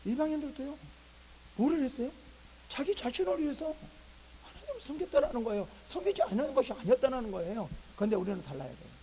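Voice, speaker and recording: A man's voice: very high-pitched, big pitch swings, quick pace, dark tone, slight background noise, low-quality recording. A male pastor preaching a sermon, repeatedly asking the congregation rhetorical questions and answering them emphatically. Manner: voices God and complaining believers in raised tones.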